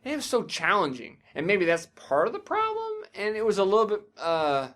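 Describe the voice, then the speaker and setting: Higher-pitched man, casually sweary gaming podcaster. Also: wildly swooping pitch, normal speed, a bit bright. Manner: rambling, enthusiastic, casually profane. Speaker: podcast co-host.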